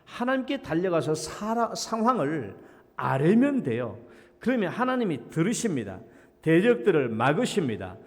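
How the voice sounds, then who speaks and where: A middle-aged man preaching a sermon as senior pastor, swinging between loud exhortation and quiet storytelling. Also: a little high, very animated, moderate pace. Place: church sanctuary. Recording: long hall reverb.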